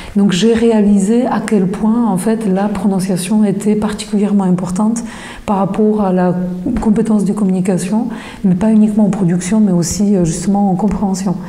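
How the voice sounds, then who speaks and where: Over noticeable background noise and audible room echo, a woman speaks at a moderate pace in a medium pitch, with monotone, flat intonation and very even loudness. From Poland. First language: Polish (speaking French). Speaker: university lecturer. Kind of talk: interview. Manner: hesitant, many fillers.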